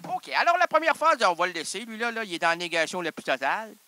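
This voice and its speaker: High, bright-voiced Québécois man joking around. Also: very animated, quick pace, poor audio. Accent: Québécois French. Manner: playful, rambling, answers himself in asides. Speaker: radio show host. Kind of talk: improvised comic monologue.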